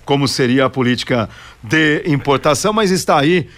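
A man's voice: medium pitch, moderate pace, a bit bright. A Brazilian man hosting live radio talk and reading out listener messages. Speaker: radio host.

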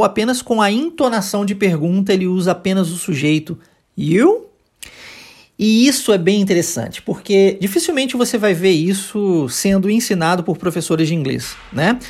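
A Brazilian language teacher hosts an informal audio lesson at a middling pitch. The delivery is conversational and emphatic, explaining things plainly and often checking in with short tag questions. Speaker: English teacher and podcast host.

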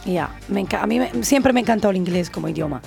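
Gravelly woman with hesitant speech. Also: mid-range voice, expressive, quick pace, a little mellow, faint music behind. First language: Italian. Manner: hesitant, with many fillers. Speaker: radio guest. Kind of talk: radio interview. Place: radio studio.

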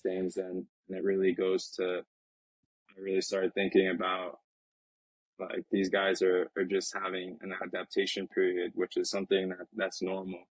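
Low flat husky young man. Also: no echo, low-quality recording. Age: 20s. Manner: reflective, halting, many restarts. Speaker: professional soccer player, guest. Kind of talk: casual interview talk. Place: Lisbon.

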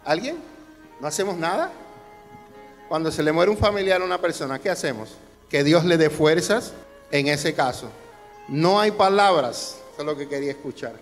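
High-voiced male pastor preaching in a hall. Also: lively intonation, moderate pace. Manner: preaching with rising emphasis and rhetorical questions to the congregation. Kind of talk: sermon. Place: church hall. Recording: long hall reverb with faint music.

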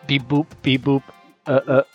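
A man with a European Portuguese accent, co-hosting a casual gaming podcast over a degraded, half-robotic remote call, relaxed and mixing in English slang. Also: mid-range voice, slow pace, faint music behind. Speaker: podcast co-host. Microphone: remote call from outside the studio. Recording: dull lo-fi remote line.

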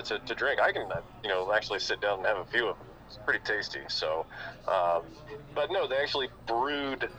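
A man's voice: on the low side, pushed and bright. A man calling in over a speakerphone, chatting casually in an easygoing, laid-back way. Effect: heard over a speakerphone. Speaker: beer distributor rep calling in. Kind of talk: casual phone chat. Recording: tinny phone speaker from a distance.

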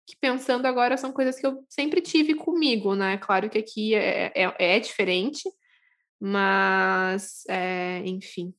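A young woman from Brazil, talking in a casual podcast chat. Her voice sits fairly high. She tells stories animatedly, laughing and restarting her phrases often. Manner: animated storytelling, frequent laughs and self-corrections. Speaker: podcast guest.

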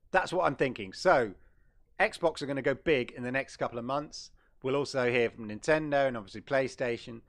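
A man's voice: on the high side, fairly bright tone. A middle-aged man hosting a casual gaming livestream, chatting loosely and often correcting himself. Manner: rambling, chatty, self-correcting. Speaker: gaming channel host.

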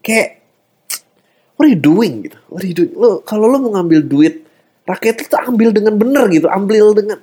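A man's voice: high voice, animated, normal speed, warm tone, husky. A man hosting a podcast, delivering an exasperated, ranting satirical comedy monologue with English swearwords mixed into his slang. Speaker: podcast host.

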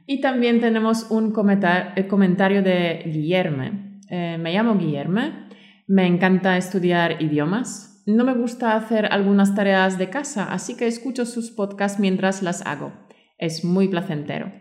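A woman who teaches Spanish hosts a language-learning podcast, encouraging and motivating her listeners and reading aloud. Her mid-range voice has a darkish tone and a moderate pace, heard in an echoey room.

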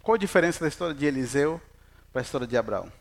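A man's voice: on the high side, lively intonation, rapid-fire, gravelly. A middle-aged man preaching in Portuguese, a pastor who jokes with the congregation and asks them questions. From Chile. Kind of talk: sermon.

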